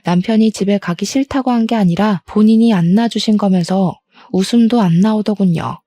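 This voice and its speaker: A young woman recounts her own ordeal in a confiding, aggrieved tone. Her voice is mellow and soft at a medium pitch. It is recorded close and dry, with no room sound. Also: normal speed, dry recording. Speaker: storyteller. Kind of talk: first-person story narration.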